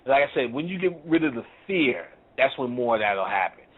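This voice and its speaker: A man's voice: mid-range voice, very animated, brisk. A man giving a casual spiritual talk to a caller, blunt and profane, in street slang, laughing often. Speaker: spiritual teacher. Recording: tinny phone-like audio.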